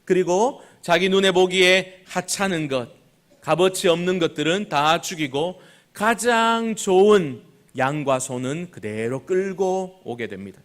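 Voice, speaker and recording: A male pastor preaching a Sunday sermon, swinging between loud and soft, slowing on key words, and asking the congregation questions. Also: fairly high pitch. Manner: acts out Bible quotes in changed voices; asks the congregation rhetorical questions.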